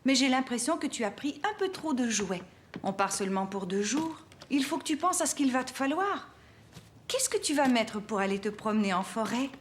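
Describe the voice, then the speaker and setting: A woman voicing a caring young mother in a French cartoon, speaking in a gentle, encouraging way. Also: on the high side, animated, moderate pace, slight background noise, natural voice. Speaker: mom of a small boy.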